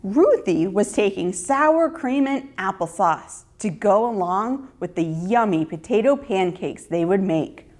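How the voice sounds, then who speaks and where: Slow, expressive woman storyteller. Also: medium pitch. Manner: expressive, deliberate. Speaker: children's storyteller. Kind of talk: scripted storybook narration.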